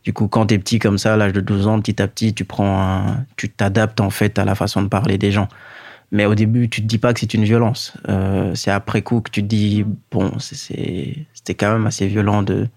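Guinean guy in his 30s, fula is his first language, low gravelly voice, kinda flat, takes his time with lots of pauses. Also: no echo, studio quality. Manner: measured, pausing often with fillers. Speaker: interview guest. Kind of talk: reflective personal storytelling.

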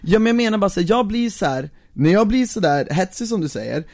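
A man's voice: sits high, gravelly. A young man co-hosting a podcast, chatting casually and getting worked up as he tells stories. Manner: animated storyteller, gets worked up. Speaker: podcast co-host. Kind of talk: casual chat.

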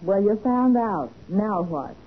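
A plucky, curious female detective's assistant, husky and breezy. Her slangy talk rises and falls in a lively way. The sound is a thin, phone-like 1940s radio drama. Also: mid-range voice, takes it slowly.

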